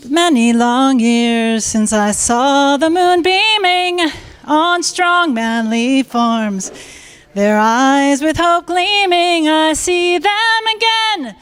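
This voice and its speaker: A woman's voice: high-pitched, animated, extremely slow, faint music behind. A woman singing a folk ballad unaccompanied at a community event, admitting she gets nervous.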